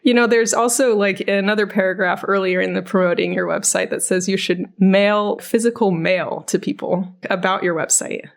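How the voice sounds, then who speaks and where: A woman's voice: medium pitch, steady tone, normal speed, gravelly, few pauses. A woman co-hosting a podcast in casual, informal chat, often dropping "like" into her sentences. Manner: informal, frequent "like". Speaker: podcast co-host.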